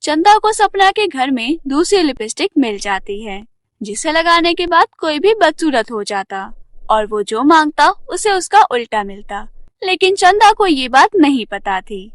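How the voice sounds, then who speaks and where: A woman's voice: high-pitched, big pitch swings, a little slow, dry recording, clean studio sound. A woman narrating a scripted children's fairy tale as the storyteller.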